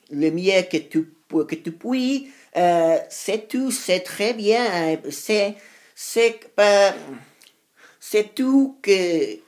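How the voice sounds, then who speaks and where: A woman who is a non-native beginner in the language, talking unscripted to practice for a channel, halting and repeating phrases as she searches for words. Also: mid-range voice. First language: not French. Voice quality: non-native, beginner French with frequent errors. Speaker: language learner making practice videos for own channel.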